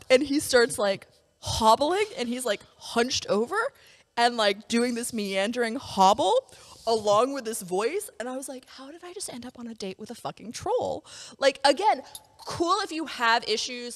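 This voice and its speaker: A woman's voice: a little high, long reverb tail. A woman in her forties hosting a podcast, talking in a blunt, profane, storytelling way during a casual chat. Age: 40s. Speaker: podcast host.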